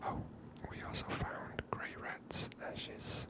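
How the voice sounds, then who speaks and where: A host giving casual, hushed and unhurried ASMR commentary on a game in a whisper.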